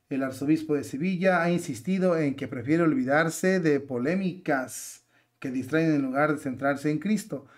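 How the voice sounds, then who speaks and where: Indignant man with a raised voice. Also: a little high. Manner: reads a news report, then argues with rhetorical questions; outraged, emphatic. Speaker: religious commentator. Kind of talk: indignant religious commentary.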